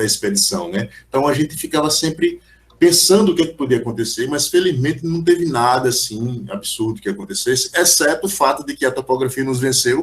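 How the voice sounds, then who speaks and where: Talking at a fairly quick pace with hardly any pauses, a man with a fairly high pitch sounds somewhat breathy, his intonation lively. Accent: Alagoas. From Alagoas, Brazil. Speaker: professor, surveying engineer. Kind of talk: online lecture and Q&A. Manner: halting, many fillers.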